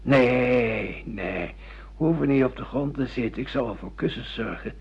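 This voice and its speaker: Worn-out old dad, really raspy and breathy, stubborn, muffled old radio drama sound. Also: male voice, mid-range voice, moderate pace. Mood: nostalgic, pleading. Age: older. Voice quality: husky, breathy. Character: stubborn weary father being re-educated after an accident. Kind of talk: radio play acting. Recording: dull lo-fi radio play recording.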